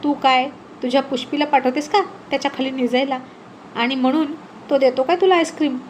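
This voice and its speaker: A woman voicing a spiteful, lying village woman who throws shrill accusing taunts. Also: steady tone, fairly quick, fairly bright tone, a little hiss or hum. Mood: taunting.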